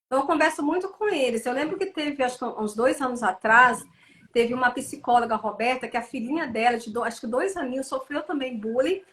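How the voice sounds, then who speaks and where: Brazilian woman, 30s, high-pitched, rapid, animated storyteller. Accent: Brazilian Portuguese. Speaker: children's book author. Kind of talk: casual interview over a live stream.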